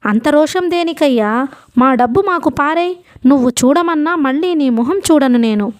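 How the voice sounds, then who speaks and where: Woman reader doing a rude shouty thug guy collecting loan money, high pushed voice, mellow tone underneath. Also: moderate pace, lightly acted. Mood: rough, scornful. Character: coarse bullying male loan collector thug.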